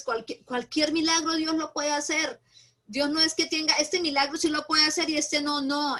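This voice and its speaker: A woman's voice: high-pitched, sharp tone. A middle-aged woman pastor with a Colombian Spanish accent, preaching a sermon earnestly and asking the congregation rhetorical questions.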